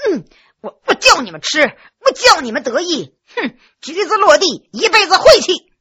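A woman acting an aggrieved, wailing, high-pitched young boy. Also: very animated, normal speed, heavily acted. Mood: spiteful. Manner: sobbing, defiant shouting. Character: aggrieved hot-tempered young boy, crying and raging.

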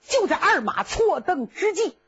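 A woman telling a traditional story in brisk, vivid narration. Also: very high voice, very animated, a bit bright, lo-fi sound.

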